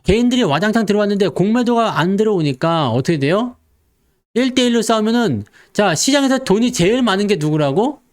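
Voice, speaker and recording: A man's voice: high-pitched, animated, brisk. A man giving casual, joking stock market commentary and acting out investors' voices. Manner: playful, acts out investors' voices, jokes with viewers.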